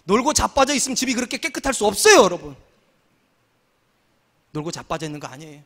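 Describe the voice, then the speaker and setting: A man's voice: high voice, very animated, fast talker, fairly bright tone. A man in his forties, a senior pastor, preaching a sermon in a humorous, conversational way with acted quotes. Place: church sanctuary.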